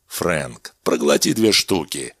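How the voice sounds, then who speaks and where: A man voicing a cold, calm male doctor who speaks in measured, commanding phrases, with a husky voice, in a storybook reading. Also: rumbling low, no room sound, studio quality, voice pushed down, full character voice. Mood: menacing.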